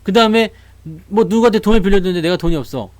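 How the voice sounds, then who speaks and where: Guy chatting stocks on a live stream, high voice, bouncy and animated, dry close sound. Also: very fast, no room sound. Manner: animated, acts out investors' voices. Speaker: stock market YouTuber. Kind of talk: casual live-stream market talk.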